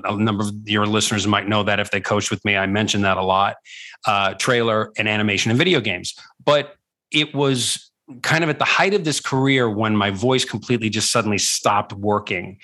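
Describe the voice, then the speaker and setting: A man's voice: on the low side, sharp tone. A middle-aged man telling his own story conversationally as an interview guest, emphatic and repeating phrases for effect. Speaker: guest, voice-over coach and former voice actor.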